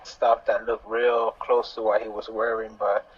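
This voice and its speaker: A man's voice: fairly low pitch, level tone, a little slow, breathy edge. A young man from New Jersey, an easygoing guest calling in on a phone held close. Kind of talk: casual chat. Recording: muffled phone call.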